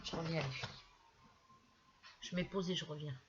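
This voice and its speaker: A woman's voice: sits low, fairly even intonation, moderate pace, lo-fi sound, very noisy. A middle-aged woman from France chatting casually in a haul video, hesitant and full of restarts as she shows a purchase. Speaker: craft vlogger.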